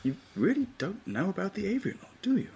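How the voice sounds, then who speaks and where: Man putting on a stately, higher-pitched robot admiral. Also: sing-song, quick pace, vocal fry, darkish tone, full character voice. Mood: solemn. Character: towering grave robot admiral, solemn and formal. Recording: noisy table read room.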